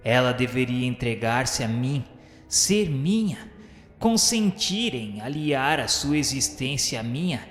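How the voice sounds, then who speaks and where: Ator fazendo inquisidor vingativo e atormentado, fala pausada. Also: male voice, medium pitch, big pitch swings, fairly bright tone. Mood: cruel, remorseful. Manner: solemn, theatrical, deliberate. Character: vengeful, cruel male former inquisitor confessing his past crimes. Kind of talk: dramatic scripted radio-novela narration. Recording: roomy reverberant studio, music underneath.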